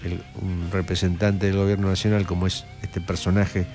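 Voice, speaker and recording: A man's voice: deep voice, level tone, moderate pace, a little mellow, soft background music. A middle-aged man with an Argentine accent giving indignant, opinionated political commentary as a radio host at a studio microphone. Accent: Argentine Spanish.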